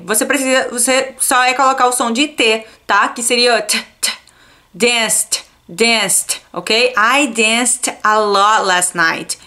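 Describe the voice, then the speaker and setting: A young adult woman from Brazil teaching a casual video lesson on English pronunciation, repeating words slowly for learners and checking in often. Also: fairly high pitch, pushed and bright.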